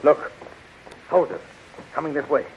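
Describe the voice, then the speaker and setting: An actor playing a brave, gallant young space hero with an earnest, declamatory manner in a 1930s radio serial. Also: male voice, on the high side, animated, a little slow. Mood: hurried. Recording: muffled, noisy 1930s radio recording.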